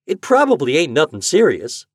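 A man voicing an eager, excitable farm boy with rustic, folksy speech in a storybook reading. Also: on the high side, moderate pace, slightly rough, no room sound, studio quality, pitched above the performer's own voice, exaggerated voice. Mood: excited, worried.

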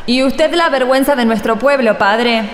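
A woman with an Argentine accent playing a melodramatic, indignant villager nearing fifty in a radio drama, sharp-tongued and gossipy. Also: high-pitched, moderate pace, close to an everyday voice. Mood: defiant.

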